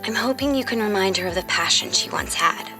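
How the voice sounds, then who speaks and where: A woman's voice: medium pitch, expressive, brisk, over music, close to an everyday voice. A woman playing a sassy, world-wise fifteen-year-old girl from the future in an audio drama, with casual, sarcastic phrasing. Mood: earnest. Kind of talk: audio fiction drama acting.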